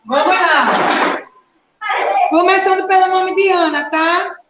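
A woman's voice: extremely high pitch, steady tone, reverberant, heavy background noise. A Brazilian woman teaching a primary school class, calling on pupils by name and asking patient questions. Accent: Brazilian Portuguese. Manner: calls out pupils' names, slow patient questioning. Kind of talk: classroom lesson.

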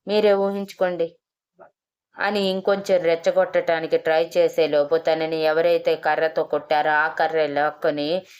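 Woman storyteller, steady scripted reading, low and resonant. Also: moderate pace, clean tone.

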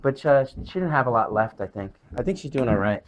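A woman's voice: extremely low pitch, expressive, a little fast. A woman vlogging as she browses an estate sale in a house, filmed on a handheld phone, chatting with sellers and muttering asides to herself. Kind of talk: casual handheld shopping commentary. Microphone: handheld phone camera. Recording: noisy handheld phone audio.

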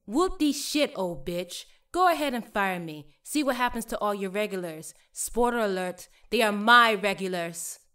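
A woman's voice: mid-range voice, lively intonation, measured pace, few pauses, pushed and bright, smooth. A woman playing a tough, fiery Latina mechanic, blunt and protective, in an audio story. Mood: angry. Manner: biting, confrontational. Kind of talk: audio fiction dialogue.

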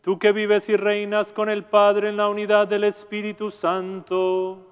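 A man in his forties, a priest leading Mass in a large stone chapel, praying in a measured, solemn way. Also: high voice, completely flat delivery, clean tone, soft background music. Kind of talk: liturgical prayer at Mass. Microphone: lapel mic. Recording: long reverb of a stone chapel.

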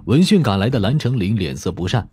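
Audiobook narrator, male, lowish voice with lively intonation, music underneath. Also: fairly quick, husky. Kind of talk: scripted dramatic novel narration.

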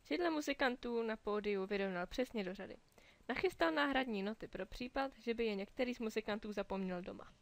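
A woman reading a children's story aloud in a gentle, clear storytelling manner. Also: fairly high pitch, lively intonation, no echo. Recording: dry close mic over soft music.

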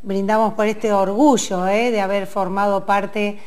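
A woman's voice: mid-range voice, level tone, a little slow, background noise. Chatty Argentine woman co-hosting. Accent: Argentine Spanish. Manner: chatty, reactive with short interjections. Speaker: TV co-host. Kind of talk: casual interview. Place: TV studio.

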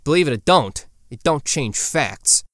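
A man's voice: a little high, expressive, measured pace, fairly bright tone, no echo, clean studio sound. A man playing a streetwise, sardonic teenage boy in a colloquial audio drama style. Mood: dry, defensive. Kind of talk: casual, colloquial fan audio drama acting.

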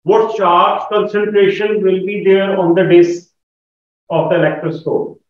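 South asian guy teaching physics class, middle-aged, higher voice, really echoey room, far from mic. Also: fairly even intonation, measured pace, dull audio. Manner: encouraging, checks understanding often. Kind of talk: classroom lesson, questioning students. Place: indoor classroom at a whiteboard. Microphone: far camera.

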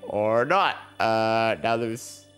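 Slow-talking man with a sore throat. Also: fairly low pitch, expressive, fairly bright tone, clear, resonant tone, soft background music. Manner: rambling, self-deprecating, chuckles often. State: sore throat with a slight cough. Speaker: gaming channel host. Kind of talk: casual let's play commentary.

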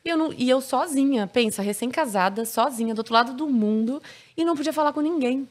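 A woman from Brazil tells stories on a podcast in a loose, chatty way, leaning on filler words. Her voice sits a little high. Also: fast. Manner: chatty storytelling with frequent fillers. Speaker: guest. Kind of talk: casual podcast chat.

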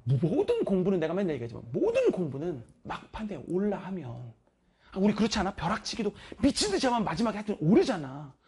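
Woman, math teacher, emphatic scolding banter, slightly raspy, lively intonation. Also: mid-range voice, fast. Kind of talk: casual motivational talk to students.

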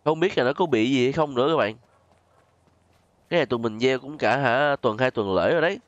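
Southern vietnamese guy doing casual gaming commentary, chatting to viewers, mid pitch, kinda muffled dry mic. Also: a little fast, no room sound. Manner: conversational, addresses viewers directly with frequent tag particles. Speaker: gaming channel host. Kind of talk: casual game role-play commentary.

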